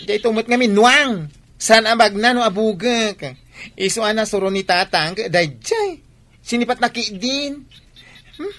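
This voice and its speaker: A woman's voice: a little high, lively intonation, measured pace, a bit bright. A woman voicing a young, effeminate gay man, sassy and defensive, in an Ilocano radio drama. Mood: complaining.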